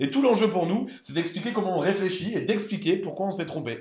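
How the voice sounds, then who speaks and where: In a southern French accent, a man talks at a moderate pace with lively intonation. His voice is high in pitch, and there is audible room echo. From southern France, mountain village. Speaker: livestream presenter for a driving school. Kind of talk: casual live-stream quiz chat. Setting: live stream. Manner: hesitant, many fillers.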